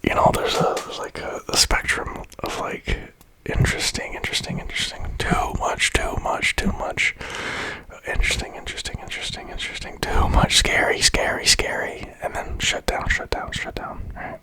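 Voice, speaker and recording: A man speaking in a breathy whisper in a rambling ASMR monologue, halting mid-thought and repeating words. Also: sharp tone. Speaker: ASMR creator.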